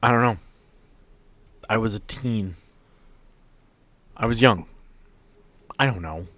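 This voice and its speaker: A man playing an artist's guarded, wistful daughter in a tabletop game, speaking in halting, subdued short phrases. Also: fairly low pitch, fairly bright tone, no echo. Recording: music behind the voice.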